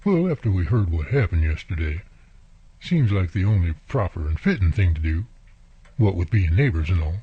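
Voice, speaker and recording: A man's voice: low-pitched, big pitch swings, moderate pace, husky, full character voice. An actor playing a friendly, plainspoken country handyman neighbor with an American country accent, talking folksily in a radio drama. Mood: neighborly. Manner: folksy, colloquial, drawling turns of phrase. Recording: muffled, lo-fi audio.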